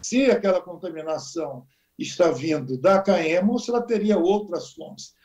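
Male expert interviewee, high pitch, deliberate explainer. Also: lively intonation, darkish tone, muffled recording.

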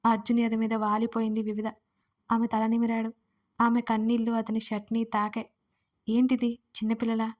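A woman storyteller narrating an audiobook in a steady, even reading voice. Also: on the high side, fairly quick.

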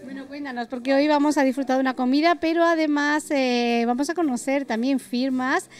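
High-voiced woman interviewer in a restaurant. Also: steady tone, brisk. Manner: chatty, prompting questions. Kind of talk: lively event interview. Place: indoors in a busy restaurant. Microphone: handheld mic.

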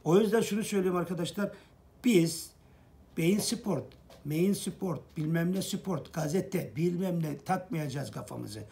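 A middle-aged football fan vlogger delivers an earnest, preachy monologue to camera, repeating phrases for emphasis. His voice is a little high and mellow, with vocal fry and a slightly slow pace.

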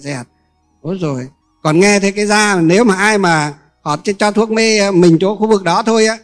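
A male Buddhist monk giving a dharma talk to an audience, posing rhetorical questions and pausing often with fillers. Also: high voice. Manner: rhetorical questions to listeners, many filler pauses.

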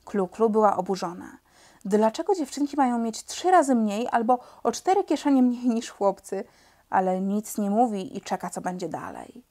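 A woman narrating a children's book aloud in a lively, expressive storytelling manner. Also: fairly high pitch, normal speed. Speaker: audiobook reader.

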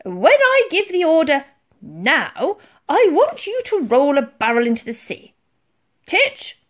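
A woman voicing a pompous, blustering old male ship's Admiral in a children's story, booming and spluttering. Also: wildly swooping pitch, unhurried, heavily acted. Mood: barking orders.

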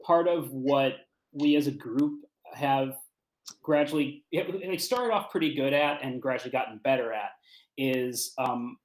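A man thinking aloud haltingly as a panelist in a casual discussion, on a roomy-sounding video call. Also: medium pitch. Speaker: panelist, podcast writer.

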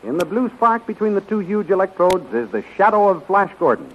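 A man's voice: sits high, expressive, fairly quick, gravelly, a little hiss or hum. A man narrating a 1930s radio serial as a dramatic, declamatory announcer. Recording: muffled 1930s radio recording.

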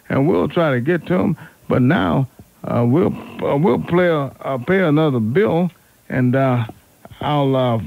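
A man's voice: on the high side, gravelly, no echo. A man hosting an R&B oldies radio show with unscripted, fumbling chatter, repeating and correcting himself as he goes. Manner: halting, fumbling, self-correcting, repeats words. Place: radio studio. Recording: narrow, phone-like AM radio aircheck.

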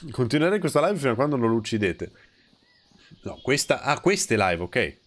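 A man's voice: mid-range voice, big pitch swings, brisk, a bit bright. A man in his thirties with a nasal, stuffed-up voice, chatting casually and bluntly as he streams a video game, teasing and swearing. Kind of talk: casual live gameplay chat.

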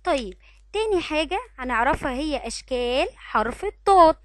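A woman with an Egyptian Arabic accent teaches little children in a recorded lesson, using a high, lively voice. She draws out syllables in a sing-song way and praises often. The recording is dry and close, with no room sound. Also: quick pace, no room sound. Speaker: kindergarten teacher.

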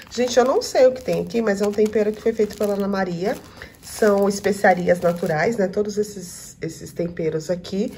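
A woman's voice: medium pitch, dark tone, slight background noise. A woman in her thirties from Brazil, chatting casually to her viewers in a shopping vlog, constantly pointing things out to them. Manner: chatty, addresses viewers as "gente", lots of "tá vendo, ó?". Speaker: vlogger.

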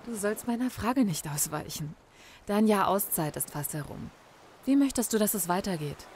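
An actress playing a caring female detective and friend in a radio crime drama, teasing and warm. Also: medium pitch, expressive, normal speed, slight background noise, natural voice. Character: female police colleague Sibylle, caring friend.

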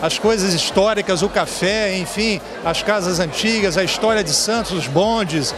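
A man's voice: high-pitched, moderate pace. A man in his fifties with a Rio de Janeiro accent, talking up his hotel in an upbeat way at a red-carpet interview, with frequent "né?" tags. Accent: Rio de Janeiro Portuguese. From Brazil. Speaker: hotel general manager. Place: indoor event hall, crowded party. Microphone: handheld mic held by interviewer. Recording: music and crowd behind.

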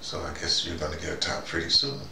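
A man giving a rambling, informal monologue as host, halting and digressive, often falling back on "you know". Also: deep voice, completely flat delivery, gravelly. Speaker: host of a spoken dispatch series. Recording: roomy, noisy, distant microphone.

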